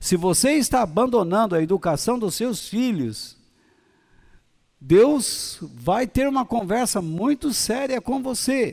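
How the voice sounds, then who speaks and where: A man's voice makes very wide pitch swings. The recording is very clean, with a silent background. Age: 60s. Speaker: pastor. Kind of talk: sermon.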